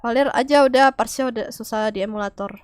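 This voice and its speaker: A woman game streamer with a cold and a slightly nasal, stuffy voice, chatting casually and calling out to teammates with loud exclamations and swearing. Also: on the high side, fast, clean tone, no room sound, clean studio sound. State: has a cold. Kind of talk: casual gaming stream chat.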